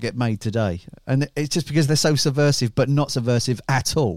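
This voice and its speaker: In an English accent, a man speaks at a fairly quick pace. His pitch is fairly high, with lively intonation. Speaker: podcast host. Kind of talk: casual interview.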